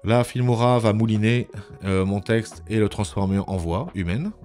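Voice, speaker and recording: Low-voiced man narrating a software tutorial. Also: faint music behind. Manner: methodical, explanatory, with frequent hesitant pauses. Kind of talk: informal step-by-step screencast narration. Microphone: voice-over recorded on a microphone at a computer.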